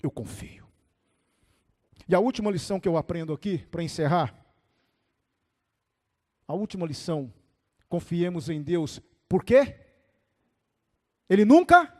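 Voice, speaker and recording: A male pastor preaching a sermon with animated storytelling, calling on his listeners by name. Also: high voice, normal speed, long pauses. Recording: echoey hall reverb.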